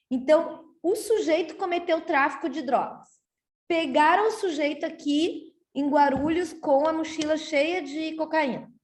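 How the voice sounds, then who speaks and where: A woman's voice: high voice, darkish tone. A woman with a Brazilian accent giving a law lecture to her class in a chatty, explanatory way, often checking in with the students. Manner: chatty and explanatory, tags sentences with "tá?". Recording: roomy echo.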